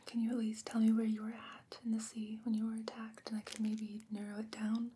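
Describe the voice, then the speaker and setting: A woman's voice: on the high side, monotone, a little hiss or hum, close to an everyday voice. Whispering, learned fantasy sorceress played by a woman. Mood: gently exasperated. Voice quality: breathy, unvoiced whisper. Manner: measured, gently explanatory, bookish. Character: patient, learned fantasy sorceress, gently skeptical, advising a friend. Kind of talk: ASMR fantasy roleplay, soft-spoken whispering.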